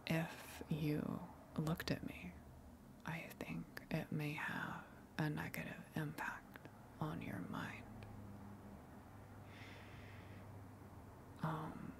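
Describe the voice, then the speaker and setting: A woman playing a gentle, coaxing eldritch tentacle monster in an ASMR roleplay, speaking hesitantly and considerately with long pauses. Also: low-pitched, gravelly, full character voice. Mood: hesitant, cautious.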